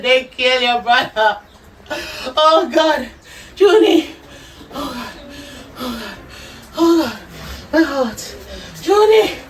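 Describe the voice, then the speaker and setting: A woman's voice: extremely high pitch, fairly bright tone, far from the mic, a little hiss or hum, full character voice. An actress playing a grieving, remorseful Jamaican mother who wails and pleads in a sobbing patois with broken laughter, in an amateur web drama. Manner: repetitive cries and pleading.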